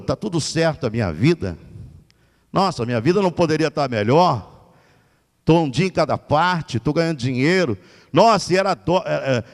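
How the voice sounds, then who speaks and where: A man's voice: fairly high pitch, a little mellow. Brazilian man telling stories in an echoing hall. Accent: Brazilian Portuguese. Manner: dramatic, acts out dialogue in voices. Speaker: journalist giving a lecture. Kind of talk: lively storytelling talk. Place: lecture hall.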